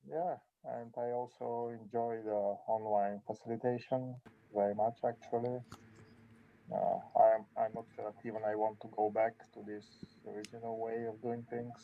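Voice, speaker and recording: A man from Bulgaria introducing himself on a video call, hesitant and plain-spoken. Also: lowish voice. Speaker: agile coach. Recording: dull lo-fi call audio with faint hiss.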